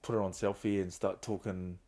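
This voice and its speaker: A man's voice: low-pitched, little pitch movement, brisk, warm tone. A middle-aged man, a podcast guest candidly telling his own story, earnest and open about hard times. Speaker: guest, founder of a reintegration trust.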